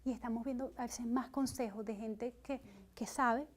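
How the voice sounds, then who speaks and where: Woman preacher, high voice, earnest and conversational, slips into quoted voices. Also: fairly even intonation, moderate pace. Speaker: speaker at a church gathering. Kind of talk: sermon-style teaching talk.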